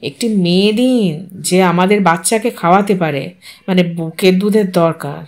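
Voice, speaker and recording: A woman's voice: lowish voice, normal speed, a little mellow, pitched below the performer's own voice, natural voice. A woman voicing a hesitant young husband who mumbles his words. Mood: pleading. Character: anxious young husband, timid and soft-spoken.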